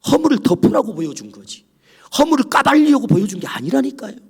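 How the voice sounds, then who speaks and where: A male pastor delivers a sermon with a high, animated voice that swoops up and down. There's a husky edge to his tone, and he drops into whispers for quoted lines. The sound carries a long reverb from the church sanctuary. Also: fast.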